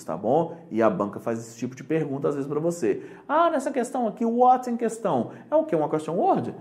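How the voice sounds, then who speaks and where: A teacher with a Brazilian Portuguese accent giving a casual online lesson, chatty and joking, explaining slowly with examples. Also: medium pitch, darkish tone. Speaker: English teacher for exam prep.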